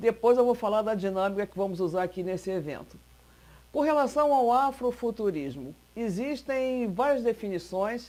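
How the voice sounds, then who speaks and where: A woman with a Rio de Janeiro accent speaks in a dark, mellow tone. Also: fairly high pitch for a woman, lively intonation, moderate pace. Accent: Rio de Janeiro (carioca) accent, kept. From Rio de Janeiro, Brazil. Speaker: panel moderator. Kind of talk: panel moderation.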